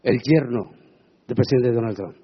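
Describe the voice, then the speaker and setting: A man preaching a sermon, dramatic and swinging into shouted proclamations. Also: medium pitch, moderate pace, slightly rough, highs cut off.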